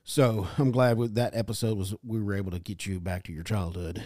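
A man co-hosting a podcast, reading listener comments aloud in a halting, joking way. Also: on the low side, steady tone, mellow, no room sound, clean studio sound. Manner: reads haltingly, jokes about being unable to read. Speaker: podcast co-host.

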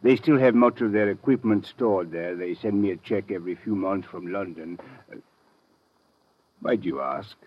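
An actor playing a smooth, evasive foreign businessman with formal, stilted phrasing in a 1950s radio drama. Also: sits low, normal speed. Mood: suave, guarded. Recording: dull, dry vintage radio recording.

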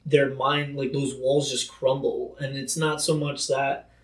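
A man's voice: mid-range voice, flat delivery, a little slow, reverberant, rough recording. A man co-hosting a casual book discussion, loose and enthusiastic, saying "like" often. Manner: loose, enthusiastic, heavy use of "like". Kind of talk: casual chat.

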